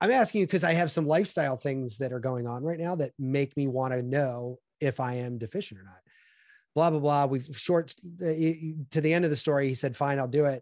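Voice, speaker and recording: Fairly high in pitch, a man talks at a fairly quick pace. He has an unremarkable speaking voice with ordinary pitch variation. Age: 40s. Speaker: entrepreneur and amateur astrophotographer. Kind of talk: casual chat. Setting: podcast mic setup.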